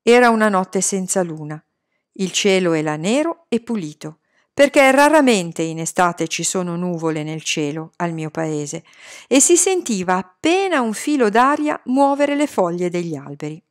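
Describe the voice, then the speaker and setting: A woman reading a novel aloud in an expressive storytelling manner. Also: moderate pace. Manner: expressive storytelling, lively pitch. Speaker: audiobook reader. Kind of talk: scripted narration of a novel.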